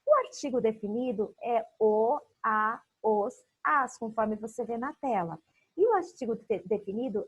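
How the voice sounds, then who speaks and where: A woman's voice: on the high side, husky, no echo, poor audio. A woman with a Brazilian Portuguese accent teaching a recorded online class for young children, patiently explaining and drawing out example words.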